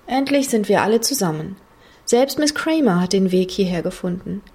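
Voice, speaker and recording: A woman's voice: mid-range voice, lively intonation, moderate pace, a little mellow, breathy edge. Woman reading a cool scheming novice. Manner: cool, composed.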